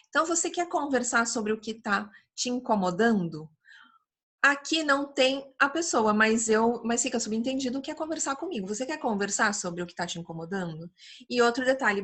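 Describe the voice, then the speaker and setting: Brazilian woman, English teacher; slightly high, crisp voice; patient, careful delivery of the examples. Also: fairly bright tone. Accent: Brazilian Portuguese. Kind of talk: online language lesson.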